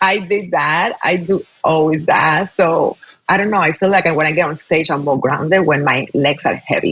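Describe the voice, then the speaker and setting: A woman with a non-native accent talks at a fairly low pitch. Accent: foreign accent, noticeable. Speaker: hair colorist and educator. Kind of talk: interview. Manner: fast; animated.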